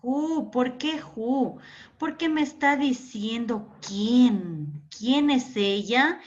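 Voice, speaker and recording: Slow, patient woman teaching a class. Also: a little high, lively intonation. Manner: patient, repeats words, quizzes pupils and praises answers. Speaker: English teacher. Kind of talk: classroom lesson in Spanish. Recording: dull lo-fi recording.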